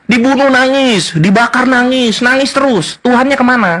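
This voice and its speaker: A man's voice: very high voice, normal speed, noisy background. A man arguing in a heated debate, mocking and taunting his opponents and repeating his jeers again and again.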